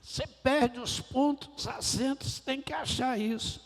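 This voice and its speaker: A man's voice: very high-pitched, unhurried, voice pushed up, heavily acted. A man playing Jesus as a stern, patient teacher who gives firm instructions step by step. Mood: instructing. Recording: echoey church hall.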